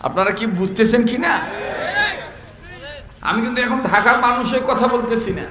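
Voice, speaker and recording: A man preaching a humorous sermon to a gathering, speaking in Rangpur dialect and shouting rhetorical questions to the crowd. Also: very high-pitched, moderate pace, roomy sound, long reverb tail. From Bangladesh.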